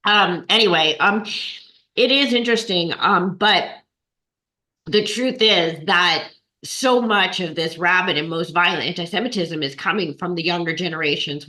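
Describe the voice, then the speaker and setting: A woman's voice: fairly low pitch, bright, forceful tone. A woman hosting a podcast, asking a guest long, carefully built questions. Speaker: podcast host. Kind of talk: conversational interview.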